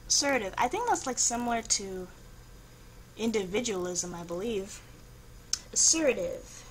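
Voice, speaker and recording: A woman's voice: mid-range voice, lively intonation, a little slow, rough recording. A young woman vlogger chatting casually, thinking aloud in a hesitant, noncommittal way as she works through a quiz. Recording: home recording with faint background noise.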